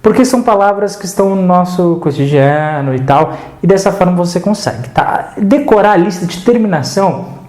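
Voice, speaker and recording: A man's voice: sits high, a little mellow. Chatty Brazilian male teacher, echoey room. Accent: Brazilian Portuguese. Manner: chatty, repeats "tá?" to check on the viewer. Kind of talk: online grammar lesson.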